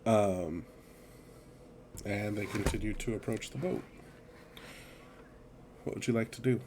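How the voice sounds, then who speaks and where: A man narrating a tabletop game as game master, unhurried, with many fillers. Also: fairly low pitch, noisy background.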